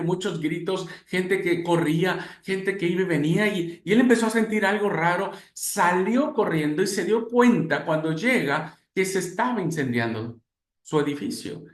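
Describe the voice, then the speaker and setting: Man, preaching instructor, animated storytelling, fairly high voice, echoey room. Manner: animated storytelling with many fillers. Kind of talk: teaching a class on preaching.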